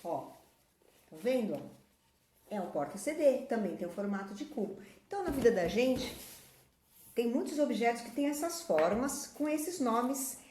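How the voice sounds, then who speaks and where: A woman's voice: a little high, very animated, normal speed, mellow, slight background noise. A woman teaching a children's math lesson, patiently explaining shapes while pointing at objects. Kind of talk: classroom video lesson. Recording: echoey room.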